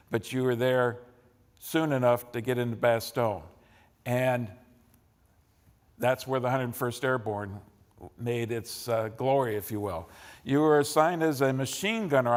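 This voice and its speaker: American male host in a reverberant hall. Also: mid-range voice. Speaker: interview host. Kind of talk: introducing a guest, semi-formal unscripted talk. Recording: echoey hall with long reverb.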